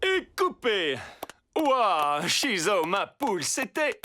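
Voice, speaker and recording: A voice actor playing a gushing, flattering director in a French cartoon. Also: mid-range voice, slow pace, slight background noise, heavily acted. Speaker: director of the ads.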